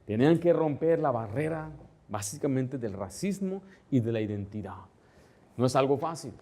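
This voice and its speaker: In a medium-pitched, animated voice and at a moderate pace, a male pastor preaches a conversational sermon. He asks everyone to follow the text and grows louder on his main points.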